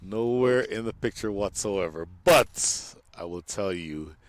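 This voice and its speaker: Lively man calling cricket. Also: lowish voice, unhurried. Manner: animated, joking, rises sharply on big moments. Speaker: cricket commentator. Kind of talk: live sports commentary.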